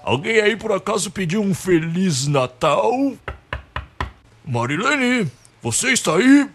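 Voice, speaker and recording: A man's voice: sits high, big pitch swings, slow pace, a bit bright, slight background noise, heavily acted. A man playing a grumpy, foul-mouthed old Santa Claus with theatrical bluster in a radio drama. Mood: jolly. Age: older.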